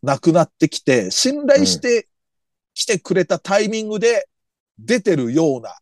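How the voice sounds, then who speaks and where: A man's voice: high-pitched, a little slow, no echo, clean studio sound. A man co-hosting a comedy podcast, chatting casually about anime characters in a chatty way, full of fillers. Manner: animated, chatty, hedging with fillers.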